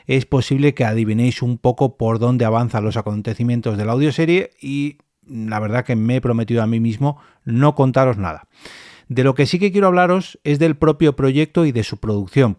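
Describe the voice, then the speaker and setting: A man with an accent from Spain hosts and produces a solo podcast, speaking casually and directly to his listeners in a conversational manner. His medium-pitched voice has a darkish tone, captured in studio quality with no echo.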